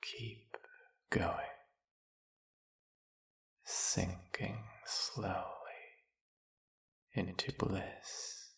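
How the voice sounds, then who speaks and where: A snake-headed villain with a silky, coaxing manner, voiced by a man. His voice sits very low with a gravelly, husky grain, and he takes his time with every word. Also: steady tone, very slow, pauses often, heavily acted. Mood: hypnotic. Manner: silky, coaxing, soft-spoken and purring. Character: smooth-talking snake-headed male villain, hypnotist. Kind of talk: audio roleplay.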